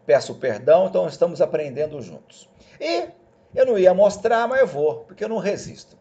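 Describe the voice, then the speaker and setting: A man talking casually and persuasively to viewers over a screen recording, chatty and animated. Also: high-pitched, brisk, muffled recording. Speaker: job placement agency host.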